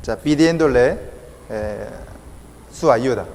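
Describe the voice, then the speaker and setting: A man's voice: mid-range voice, slow pace, a little mellow, a little hiss or hum. A man teaching a Bible study lesson, repeating points and checking his listeners with questions. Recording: long hall reverb.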